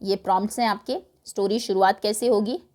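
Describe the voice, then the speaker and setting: An Indian woman teacher explaining a textbook lesson. She reads English lines slowly and then explains them in Hindi. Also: medium pitch, steady tone, darkish tone.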